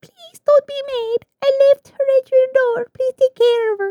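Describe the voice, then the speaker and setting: A whispering, female-sounding put-on character voice at a moderate pace. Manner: whispering, pleading.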